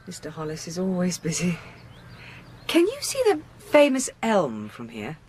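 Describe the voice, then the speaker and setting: An actress playing a genteel, expressive wife with an English accent and a breathy, husky voice in a 1980s radio drama. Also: female voice, on the low side, unhurried, full character voice. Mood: curious, insistent.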